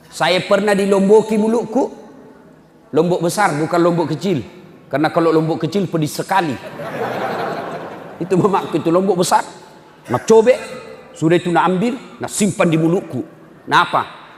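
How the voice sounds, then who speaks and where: A man preaching a humorous sermon, acting out parents and children and shouting his punchlines. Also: fairly high pitch. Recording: echoey hall with long reverb.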